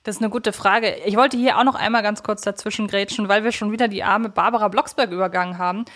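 A woman's voice: medium pitch, steady tone, quick pace, fairly bright tone. A woman co-hosting a podcast, talking in a conversational, thoughtful way and often searching for her words. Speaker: podcast co-host.

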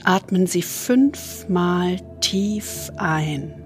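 A woman leads a guided meditation in a soft, soothing spa manner, leaving long pauses and trailing into breathiness. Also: on the low side, expressive, faint music behind. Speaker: host guiding a relaxation exercise.

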